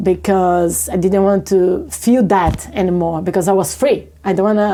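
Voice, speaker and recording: A woman speaks with a Brazilian accent at a very even loudness. Background noise is noticeable. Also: moderate pace. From North East Brazil. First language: Portuguese. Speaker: yoga practitioner, support worker. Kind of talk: interview answer. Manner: loud, vibrant.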